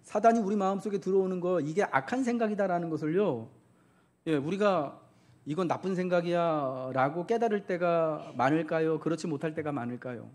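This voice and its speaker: A man's voice: a little high, fairly quick, a little mellow. A man preaching a Sunday sermon as pastor, asking the congregation questions and acting out quotes.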